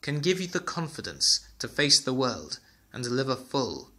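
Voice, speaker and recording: A young man reading scripted promotional narration as a commercial voice-over, with a dramatic, deliberate delivery. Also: mid-range voice, big pitch swings, bright, forceful tone, dry recording.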